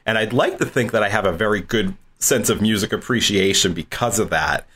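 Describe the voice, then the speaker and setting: Lively, laughing man with a lowish voice. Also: a little fast, husky. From southeastern Massachusetts, US. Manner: animated storyteller who laughs often and repeats words. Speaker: college dean, interview guest. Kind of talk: casual interview storytelling.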